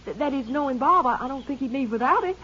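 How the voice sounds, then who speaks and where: A woman's voice: high voice, lively intonation, quick pace, pushed and bright. An actress playing a nervous young woman who stammers, in a 1950s radio drama. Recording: dull old radio broadcast.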